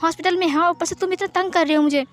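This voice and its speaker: A woman's voice: very high-pitched, fairly even intonation, fast talker, faint music behind. Woman voicing an irritated young man, curt, scolding, story telling.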